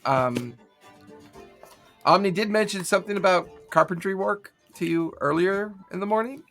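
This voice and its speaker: A man's voice: high voice, moderate pace, vocal fry, fairly bright tone, soft background music. A man running a tabletop game as game master, narrating loosely with fillers over an online call.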